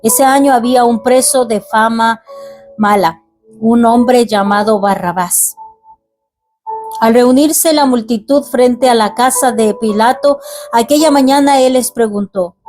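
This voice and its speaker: A woman reads a scripture passage aloud, then turns to her own earnest, halting reflections on it. Her voice is fairly high and mellow, and soft music plays faintly behind her. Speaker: ministry teacher. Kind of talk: reading scripture and preaching.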